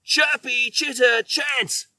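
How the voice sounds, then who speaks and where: A man voicing a feisty, boastful, territorial little robin from a children's storybook, chanting loudly with drawn-out words. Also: extremely high pitch, steady tone, a little hiss or hum, voice pushed up, full character voice. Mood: boastful, defiant.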